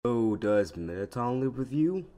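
A man's voice: medium pitch, very animated, a little slow, mellow. A man reading out fan questions in a scripted comic dub.

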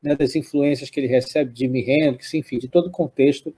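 A man's voice: mid-range voice, fairly even intonation, fast talker, warm tone, breathy edge. A Brazilian man, older, hosting a music program and talking unscripted, rambling with frequent restarts and tag questions. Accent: Brazilian Portuguese. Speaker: music show host. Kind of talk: unscripted spoken commentary.

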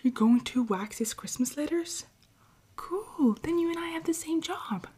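Slow, whispery woman playing a cheerful Christmas elf. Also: sits high, expressive. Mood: friendly, encouraging. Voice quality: soft, breathy, frequently whispering. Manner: gentle, encouraging, unhurried. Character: cheerful, friendly female Christmas elf helper, patient and welcoming. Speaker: ASMR performer. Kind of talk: soft-spoken ASMR roleplay, often whispered.

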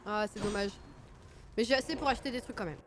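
A woman's voice: mid-range voice, fast, a little hiss or hum. A woman streaming a video game with casual, self-mocking commentary, her nose stuffy from a cold. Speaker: gaming streamer.

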